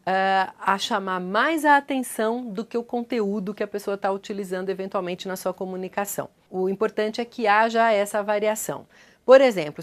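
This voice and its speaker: A woman teaches how to speak well, in the even, unhurried way of a speaking coach. She paces her phrases with deliberate pauses and a didactic, measured delivery, her pitch sitting in a middle range. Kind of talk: scripted lesson on speech delivery.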